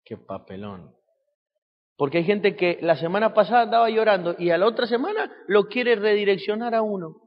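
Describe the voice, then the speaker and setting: Male pastor, high voice, sermon with rhetorical questions, muffled recording in an echoey church hall. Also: lively intonation, normal speed. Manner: preaching with rhetorical questions to the congregation.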